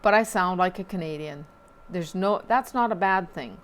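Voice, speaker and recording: A woman reading local newspaper items aloud at a measured pace, with small slips and dry asides. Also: lowish voice.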